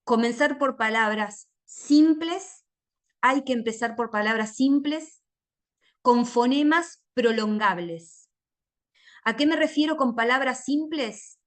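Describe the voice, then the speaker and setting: Woman literacy teacher, measured lecture delivery, slightly high, unhurried. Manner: slow, careful, stretches sounds when modelling them. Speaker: literacy teacher giving a training talk. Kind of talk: lecture with phonics demonstrations.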